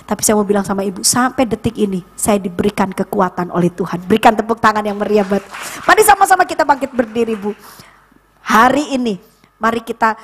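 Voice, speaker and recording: A woman in her forties with an East Javanese accent, a pastor preaching a sermon with personal testimony and animated storytelling that acts out quoted voices. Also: fairly high pitch. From East Java, Indonesia.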